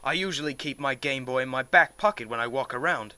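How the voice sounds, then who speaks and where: A man's voice: mid-range voice, fairly quick, noisy background, close to an everyday voice. A man in an English game fan dub playing a haughty, easily flustered young prosecutor in a formal, indignant, theatrical way. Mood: argumentative. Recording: amateur dub under loud music.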